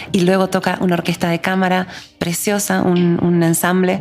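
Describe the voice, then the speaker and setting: Against noticeable background noise, a woman speaks at medium pitch and a moderate pace. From Argentina. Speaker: festival producer. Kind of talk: interview.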